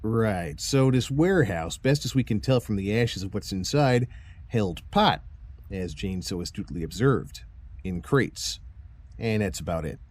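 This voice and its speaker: A man's voice: on the low side, expressive, a little slow, a little mellow. An actor playing a weary, skeptical man in charge of an investigation, with a dry, sardonic manner, in an audio drama. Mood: dry, businesslike.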